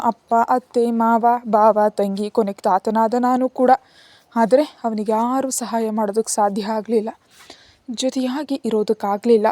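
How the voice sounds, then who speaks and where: Kind elderly grandfather, read by a woman, gentle and fond, fairly high mellow voice. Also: no room sound, close to an everyday voice.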